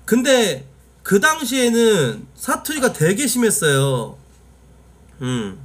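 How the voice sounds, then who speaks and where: A Korean man from Jeolla hosts a casual live stream and talks bluntly to his chat, swearing freely along the way. His voice sits high and swings up and down a great deal. A faint hum of background noise runs under the recording. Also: wildly swooping pitch, slow pace. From Jeolla, South Korea.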